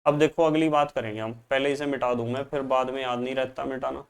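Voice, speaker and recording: Guy teaching chemistry, slow and patient, says everything twice, clean smooth voice. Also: medium pitch, fairly even intonation. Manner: patient, repeats key terms. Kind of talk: classroom lecture.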